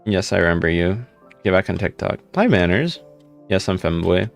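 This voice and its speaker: Young male streamer, deep gravelly voice, laid-back rambling chat, faint music behind. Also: animated, normal speed. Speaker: live streamer. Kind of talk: casual live stream chat, reading comments.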